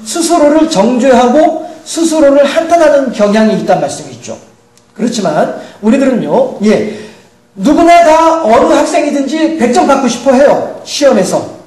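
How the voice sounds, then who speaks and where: A middle-aged man preaching a sermon as pastor, animated and chuckling often. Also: very high-pitched. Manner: animated, acts out quoted voices, chuckles often. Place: church sanctuary. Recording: echoey church hall, distant mic.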